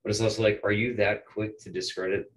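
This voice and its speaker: An American man in his twenties, a musician guest on a podcast, talking in an animated, emphatic way and swearing casually. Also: lowish voice, brisk. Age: 20s.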